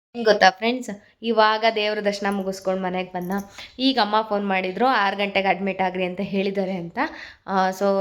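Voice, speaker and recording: Her pitch sits in the medium range. This woman's intonation is fairly even. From Karnataka, Bhadravati taluk near Shivamogga. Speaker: vlogger. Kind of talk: casual vlog narration.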